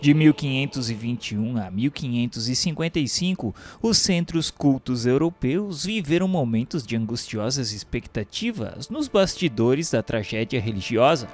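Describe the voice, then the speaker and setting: A man with a Brazilian accent reads scripted historical narration in a formal, solemn, measured delivery. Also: mid-range voice, animated, a little mellow. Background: music bed.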